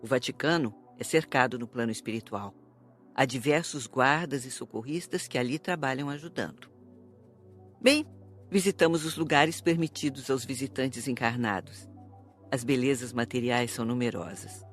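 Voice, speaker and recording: A man reads scripted audiobook narration in an explanatory, even-handed manner. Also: mid-range voice, moderate pace, faint music behind.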